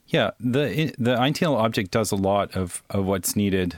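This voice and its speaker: Speaking at a moderate pace, a man has an unremarkable speaking voice with a fairly low pitch. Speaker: software engineer. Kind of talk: technical panel discussion.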